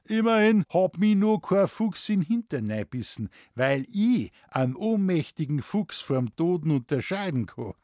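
A man voicing a rough, sharp-tongued village doctor with a Bavarian accent who talks bluntly and teasingly. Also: medium pitch, very animated, a little slow, no room sound, clean studio sound. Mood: mocking.

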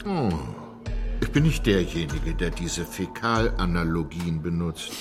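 A man's voice: sits low, sing-song, a little slow, music in the background. An actor playing a cornered man in debt who answers with sarcasm. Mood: sarcastic. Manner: sarcastic, ironic. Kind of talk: radio play acting.

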